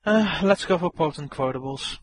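A man's voice: a little high, expressive, moderate pace, slightly rough, no echo. A man taking part as a contestant in a casual podcast quiz, speaking casually and politely. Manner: casual and polite, addresses host as sir.

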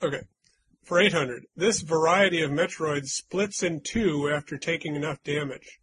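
Husky-voiced man hosting a game quiz. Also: a little high, moderate pace, a bit bright, rough recording. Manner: reads clues, teasing and chatty. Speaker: quiz host. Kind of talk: casual game-show chat with friends.

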